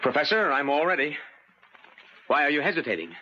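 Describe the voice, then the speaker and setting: An actor playing an eager, bewildered young scientist in a 1950s radio drama, stammering when flustered. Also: male voice, on the high side, very animated, fairly quick, bright, forceful tone. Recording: dull old radio recording with hiss.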